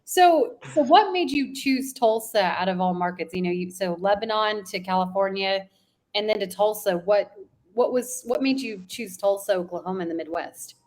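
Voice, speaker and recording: A woman's voice: medium pitch, moderate pace, darkish tone. A woman hosting a business interview show, encouraging and enthusiastic with her guest. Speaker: podcast host, interviewer.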